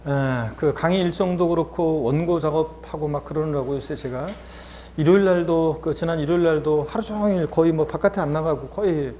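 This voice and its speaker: A male instructor gives a lecture in a chatty, encouraging manner, often pausing to reassure his students. His voice sits a little high for a man but sounds mellow and warm. A faint hiss of noise sits behind him.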